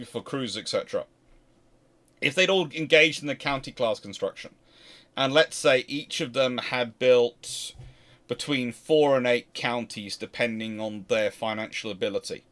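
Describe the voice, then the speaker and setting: Bright-voiced, emphatic British man. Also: medium pitch. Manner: rambling, emphatic, self-interrupting. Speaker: host answering viewer questions. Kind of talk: casual livestream history discussion.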